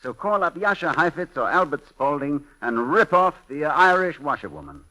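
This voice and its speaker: A man hosting a 1940s radio show, reading letters in a brisk, jokey announcer's delivery. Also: on the high side, very animated, bright, forceful tone, poor audio.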